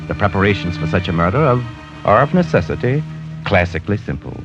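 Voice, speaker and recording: A cold, clinical killer recounts his plan in a deep, low voice, calm and clipped. The sound is a dull old radio broadcast with music underneath. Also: fast. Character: cold, precise male killer keeping a diary. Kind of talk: 1940s radio drama narration.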